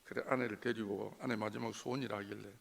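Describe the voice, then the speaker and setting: Gravelly older man testifying in a church. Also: lowish voice, fairly even intonation, quick pace. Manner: impassioned, swinging from hushed near-whispers to loud cries. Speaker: church elder giving testimony. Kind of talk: emotional testimony sermon. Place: church sanctuary. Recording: long reverb of a church hall.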